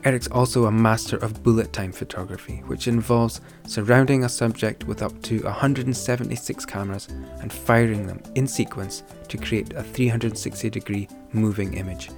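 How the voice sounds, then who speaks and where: A man's voice: lowish voice, fairly even intonation, moderate pace, hardly any pauses, over music. A man hosting a podcast, reading the sponsor spot and then telling a long story with many ums and restarts. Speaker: podcast host. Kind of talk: podcast interview and sponsor read.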